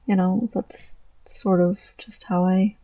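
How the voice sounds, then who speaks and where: Gravelly low-voiced trans man, reflective. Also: little pitch movement, darkish tone, no echo. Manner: halting, reflective, earnest. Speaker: vlogger. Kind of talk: personal confessional vlog.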